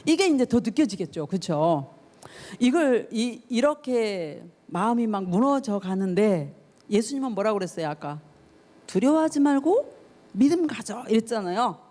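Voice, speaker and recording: A woman's voice: medium pitch, expressive, moderate pace, darkish tone. A woman youth pastor preaching a sermon to teenagers, telling the story with feeling, acting out the voices of the people in it and putting questions straight to her listeners. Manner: asks the listeners questions directly.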